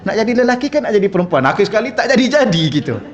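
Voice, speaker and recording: A man's voice: high voice, sing-song, racing, dull audio. A man with a Malaysian Malay accent giving a humorous, conversational religious lecture in a mosque hall, often asking the audience questions. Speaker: religious teacher. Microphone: wireless microphone.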